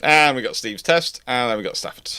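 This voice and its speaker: Fairly quick and expressive, this man's mid-range voice sounds bright, forceful and clean in a clean studio recording with no room sound. He hosts a casual livestream as a naval historian, answering viewer questions and rambling, often repeating or rephrasing.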